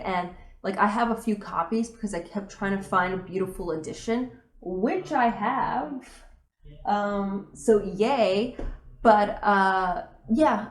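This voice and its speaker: A woman's voice: medium pitch, reverberant. A young woman, a teacher, chatting casually through a book tag with lots of fillers and emphatic opinions.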